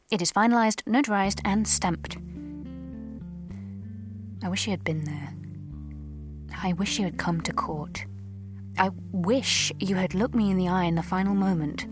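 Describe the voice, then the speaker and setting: A woman playing a hurt, dignified, newly divorced wife, reading a letter in an audio drama in measured, formal short phrases. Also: lowish voice, natural voice. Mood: resigned, bitter.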